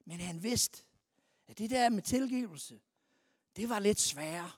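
A preacher giving a sermon, reading scripture aloud and asking the listeners repeated rhetorical questions, moving between quiet reading and loud, emphatic stresses. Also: mid-range voice, lively intonation, no room sound, clean studio sound.

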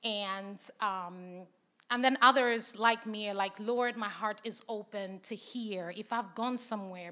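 A woman's voice: mid-range voice, fairly bright tone. A young woman from Zambia, whose first language is not English, preaching a sermon at a conference with chatty, laughing banter with the audience. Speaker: conference speaker. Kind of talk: sermon with casual asides. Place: large conference hall.

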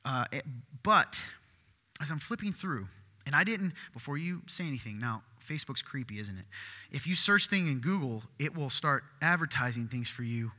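A man preaching a sermon as pastor, with a deeper voice, talking conversationally and asking his congregation questions. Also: moderate pace. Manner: excitable, conversational, asks the crowd questions. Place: church hall with congregation. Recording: long hall reverb.

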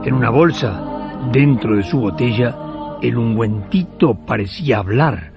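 A man telling a story for a radio play in poetic, deliberate phrases with pauses. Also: mid-range voice, lively intonation, gravelly. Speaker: narrator. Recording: music behind the voice.

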